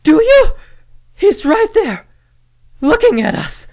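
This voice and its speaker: A woman's voice: very high-pitched, big pitch swings, takes it slowly, pitched above the performer's own voice, exaggerated voice. A woman voicing a frightened young boy crying out urgently in a scary story. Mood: panicked yelling. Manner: yelling, urgent.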